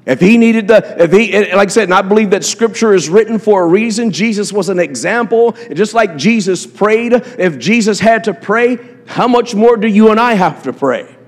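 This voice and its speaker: A man delivers a sermon in a church, pressing his points again and again with fillers and restarts. His voice sits fairly high for a man. The church hall rings with a long reverb around him. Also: lively intonation, normal speed, few pauses. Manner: impassioned, repetitive preaching with frequent fillers. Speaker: pastor.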